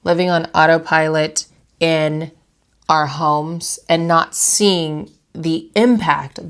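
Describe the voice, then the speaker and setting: Woman, young adult, slightly nasal from a cold, lowish voice, calm motivational vlog talk. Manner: calm, reflective, coaching tone with direct questions. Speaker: vlog host and interior designer. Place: her bedroom at home.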